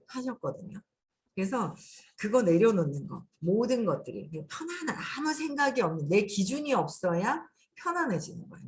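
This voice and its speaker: A woman's voice: lowish voice, slight background noise. A woman hosting a casual spiritual talk, acting out quoted thoughts as she explains them. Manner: animated, acts out quoted thoughts. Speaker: host.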